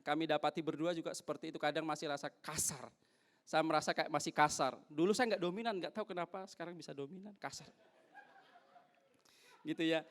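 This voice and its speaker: A young man preaches to his church, his voice sitting noticeably high. He is lively and animated, slipping into little back-and-forth scenes between a husband and wife. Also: brisk. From North Sulawesi, Indonesia. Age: young adult. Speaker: pastor. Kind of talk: sermon.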